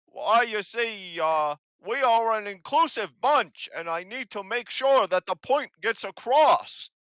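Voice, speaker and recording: A man voicing a sly, dim, blustering hobgoblin guard in a high, strained, shouting voice for a tabletop game. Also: unhurried, no room sound, full character voice. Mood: loud, explaining. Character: loud, sly, dim hobgoblin toll-extorting guard, male.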